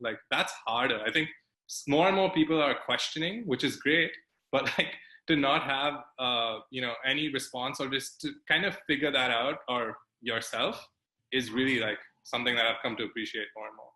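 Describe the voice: Bright and sharp in tone, a man speaks at a moderate pace and medium pitch with ordinary pitch variation, and audible room echo surrounds him.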